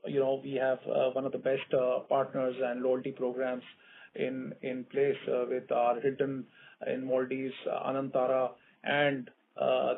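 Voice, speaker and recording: A male hospitality executive answering analysts' questions on a conference call, explaining in measured corporate phrases. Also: medium pitch, creaky. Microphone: conference call line. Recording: tinny phone line with faint noise.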